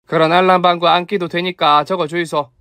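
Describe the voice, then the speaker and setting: A man voicing a generous, lively young daughter-in-law with a Gyeongsang dialect, earnest and teasing. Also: high voice, brisk, clear, resonant tone, no room sound, pitched above the performer's own voice. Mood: eager.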